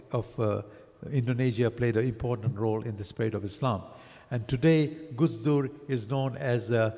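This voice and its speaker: A man born in Africa reviewing a book as a lecture, halting with many fillers and restarts. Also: mid-range voice, a little mellow. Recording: long hall reverb.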